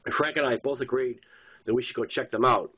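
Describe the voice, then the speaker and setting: On a dull lo-fi recording, a Boston-accented author reads his first-person novel in a plain style, stumbling occasionally. His mid-range voice is husky, steady, brisk, bright and forceful.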